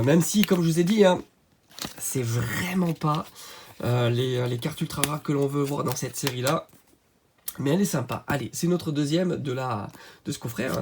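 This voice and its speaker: A man with a hoarse voice from a cold, chatting casually as he opens trading card packs for his channel. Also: a little high, background noise. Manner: chatty, many fillers, excited at good pulls. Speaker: channel host. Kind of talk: card unboxing commentary.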